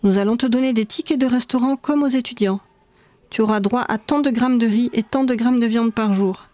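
A man's voice: very high voice, a little fast, darkish tone, dry recording. A woman doing a weary, guarded school director. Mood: conceding. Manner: lecturing, reasoning patiently. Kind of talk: read-aloud memoir dialogue.

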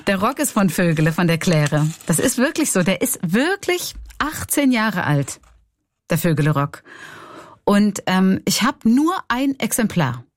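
A woman's voice: medium pitch, sing-song, a little slow. A woman in her forties with a Swiss German accent, a comedian and clown speaking reflectively and laughing often in an interview.

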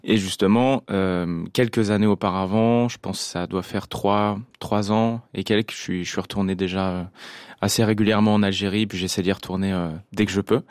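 A man's voice: fairly low pitch, fairly even intonation, a little fast, a little mellow, no echo, studio quality. A French-born man, a jazz musician, answering interview questions thoughtfully with many hesitations. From France.

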